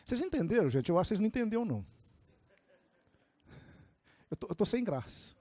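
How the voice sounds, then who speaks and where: A male pastor preaches in an unusually high voice that swoops widely as he tells stories. He turns to his congregation and calls people by name. The sound rings with the long reverb of a church hall. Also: fast talker. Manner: animated storytelling, calling on listeners by name. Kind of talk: sermon.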